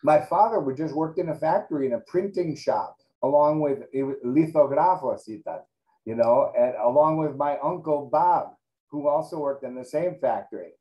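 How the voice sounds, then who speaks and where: A middle-aged man whose first language is Greek, reflecting in an oral history interview, halting and restarting often. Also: on the high side, lo-fi sound.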